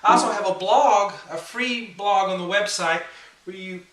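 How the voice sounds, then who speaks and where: A man with a rather high voice giving a casual, relaxed piano lesson at a whiteboard, talking through chords with plenty of fillers. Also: normal speed. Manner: relaxed, chatty, many fillers, counts beats and hums notes. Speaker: piano teacher. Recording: roomy sound from a distance over loud piano.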